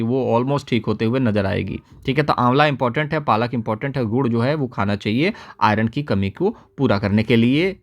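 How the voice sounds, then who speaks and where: A man's voice: on the high side, a bit bright. A man teaching an exam-prep lesson, who keeps repeating the key answers and tells his students to remember them. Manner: explains fast, repeats key answers and says "याद रखिएगा"; addresses students directly, quotes their comments. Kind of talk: exam paper analysis lesson.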